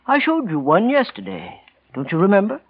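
A meek clerk turned killer. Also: male voice, high-pitched, huge pitch swings, normal speed, husky, full character voice. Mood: timid. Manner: timid and hesitant, then quietly menacing. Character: meek middle-aged office clerk turned cold killer. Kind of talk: 1940s radio acting. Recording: lo-fi old radio broadcast.

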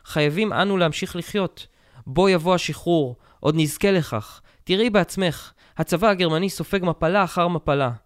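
A man doing a calm, brave prisoner husband. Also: sits high, no echo, studio quality, voice pushed up, natural voice. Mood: earnest. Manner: calm, soothing, earnest.

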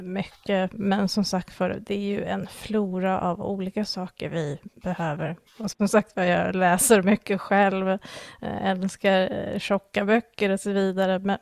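A woman's voice: mid-range voice, creaky, darkish tone, no room sound, studio quality. A woman hosting a casual interview, speaking in an enthusiastic, encouraging manner. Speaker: interviewer, podcast host.

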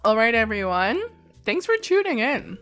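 A woman's voice: fairly high pitch, big pitch swings, moderate pace, a bit bright, soft background music. A woman co-hosting a podcast, chatting in a playful, casual way. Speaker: podcast co-host. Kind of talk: casual chat.

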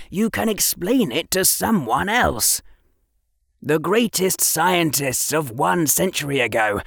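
Male reader as a clever earnest boy lecturing, lively and gravelly, unhurried. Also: high-pitched, no echo, studio quality, pitched above the performer's own voice, exaggerated voice. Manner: earnest lecturing with proud tremble. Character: precocious earnest boy explaining science.

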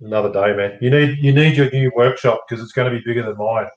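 A man talks in loud, matey lad banter, joking and swearing freely with emphasis. His mid-pitched voice rings in an echoey room. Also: fast, muffled recording.

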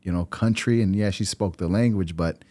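Very deep-voiced man telling stories. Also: moderate pace, no echo. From born in Costa Rica, raised in Milwaukee. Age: young adult. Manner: relaxed, rambling storytelling with many fillers. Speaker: financial advisor, guest. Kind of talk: casual interview conversation. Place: high-rise office.

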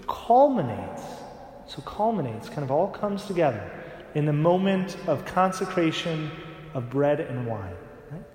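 Priest with rising pitch in a cathedral echo. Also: male voice, darkish tone. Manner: talks in a casual way with frequent "right?" tags. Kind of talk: Gospel reading and homily at Mass. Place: large church. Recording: long echoing church reverb.

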